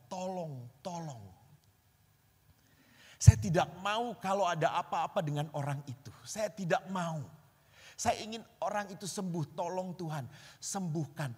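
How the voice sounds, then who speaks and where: A man's voice: fairly high pitch, breathy edge. A Catholic priest with a Javanese Indonesian accent, preaching a sermon and acting out voices as he tells a story. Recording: reverberant hall.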